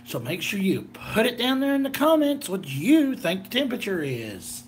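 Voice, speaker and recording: A man's voice: sits high, huge pitch swings, normal speed, a little hiss or hum. A slightly tired American man rambling casually through a homemade vlog in a folksy, jokey way. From southern Illinois, United States. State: a little tired. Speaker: gadget video host.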